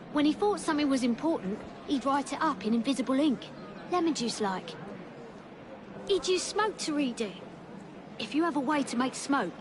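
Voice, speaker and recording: A woman's voice: high voice, background noise. An actress playing a chatty, confiding working woman in a game. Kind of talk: video game dialogue.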